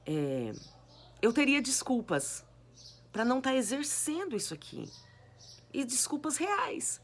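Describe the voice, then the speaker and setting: A woman preaching a sermon with a hoarse, cracked voice, exhorting her listeners with repeated rhetorical questions. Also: high voice, very animated, a little slow. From Brazil. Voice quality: raspy, cracked voice.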